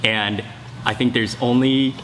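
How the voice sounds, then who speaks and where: A man's voice: mid-range voice, fairly even intonation, a little slow, a bit bright, slight background noise. A man narrating a travel and food vlog in a casual, upbeat way, talking straight to the camera. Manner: upbeat, descriptive, talks to the camera. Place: outdoors and in public places while traveling.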